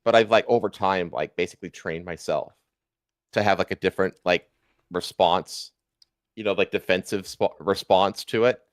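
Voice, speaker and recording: A man's voice: sits low, moderate pace, dry recording, clean studio sound. A man hosting a livestream, ranting casually with emphatic, repetitive, profane talk. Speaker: livestream host.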